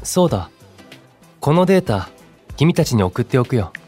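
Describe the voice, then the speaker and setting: An actor playing a kind, composed young male idol in an audio drama, speaking as a friendly, encouraging senior with gentle wording. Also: mid-range voice, sing-song, moderate pace, husky, soft background music. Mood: helpful. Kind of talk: Japanese audio drama acting.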